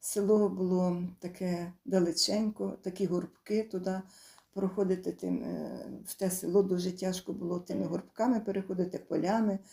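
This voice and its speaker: A woman's voice has a dark, mellow tone at a medium pitch. She speaks at a moderate pace in a flat monotone. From Khmelnytskyi region, Ukraine. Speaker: dialect informant. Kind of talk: interview answer, reminiscence.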